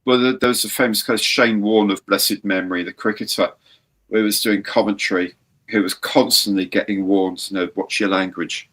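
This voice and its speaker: A man's voice: on the low side, steady tone, normal speed, fairly bright tone. A man hosting a casual live-stream chat, rambling and chatty with some mild swearing. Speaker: host.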